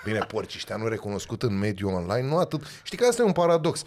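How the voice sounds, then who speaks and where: A man's voice: fairly low pitch, very animated, a little hiss or hum. A man with a Romanian accent hosting a podcast, joking and asking questions in casual interview chat. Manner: joking, asks questions, chimes in. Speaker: podcast host.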